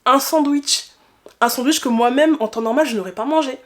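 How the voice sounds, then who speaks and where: A woman's voice: high voice, a little fast. Candid young woman vlogger. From France. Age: 20s. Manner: candid, colloquial, emphatic repetition of phrases. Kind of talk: personal reflective vlog, casual talk to camera.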